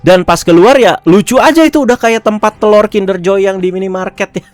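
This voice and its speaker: A man's voice: high voice, brisk, no room sound. A man giving a casual, chatty review of a TV episode, often chuckling and tagging his phrases.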